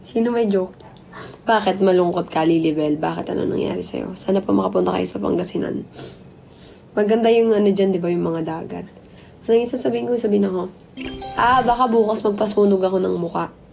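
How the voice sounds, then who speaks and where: Brief: woman live-streamer, hoarse and gravelly, chatty with viewers, faint music behind. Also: mid-range voice, brisk, darkish tone, low-quality recording. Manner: mixes Tagalog and English, chatty and affectionate with viewers. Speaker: livestream host. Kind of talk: casual live-stream chat reading viewer comments.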